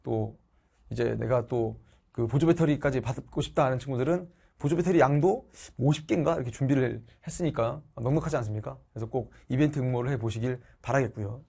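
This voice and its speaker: Speaking a little fast, this middle-aged man has a medium-pitched voice that's gravelly, warm, and husky. He teaches social studies online, chatting with viewers as though they're his students while getting over a cold.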